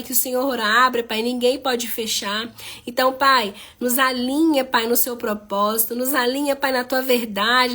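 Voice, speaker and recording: Woman preacher, fairly high voice, fervent live-stream prayer with a repeated refrain. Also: bright, forceful tone. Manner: repeats "Pai" through every phrase. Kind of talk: warm closing blessing to viewers.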